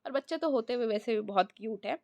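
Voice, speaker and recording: High-voiced woman teacher in a dry room. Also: animated, fast, gravelly, warm tone, dry recording, muffled recording. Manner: conversational, addresses students directly. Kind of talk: exam-prep lecture, mixing Hindi and English.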